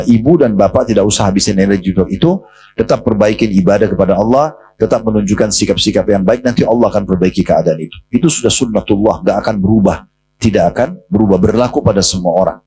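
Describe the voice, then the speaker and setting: Guy preaching fast in a mosque, chatty, talks right to the crowd, faint hum behind. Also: lowish voice, darkish tone, poor audio. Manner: conversational, addresses the congregation directly; retells a story with quoted dialogue. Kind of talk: sermon.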